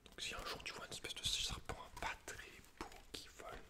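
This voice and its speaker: A man whispering in breathy ASMR style, reading aloud with informal, slangy asides, close to the microphone. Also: brisk. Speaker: host of an ASMR channel.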